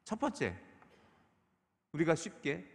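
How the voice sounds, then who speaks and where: A man's voice: a little high, slow, gravelly. A man preaching a sermon as a pastor, building through rhetorical questions and voicing a character's anger. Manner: animated, rhetorical questions, acts out the speaker's anger. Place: church sanctuary. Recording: echoey church hall.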